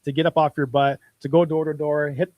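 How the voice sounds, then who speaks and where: A man's voice: fairly high pitch, flat delivery, brisk, no room sound, dull audio. A man co-hosting a business podcast in casual, upbeat chat, encouraging and chuckling often, on a close mic. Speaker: podcast co-host.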